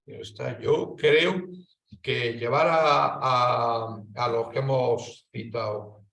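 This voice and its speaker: A Spanish-accented man on an academic panel, rambling through his argument with frequent restarts and sudden rises in pitch. His voice has a gravelly edge. He is picked up from some distance in an echoey hall. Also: slow. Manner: discursive, hesitant restarts, animated rises. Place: lecture hall.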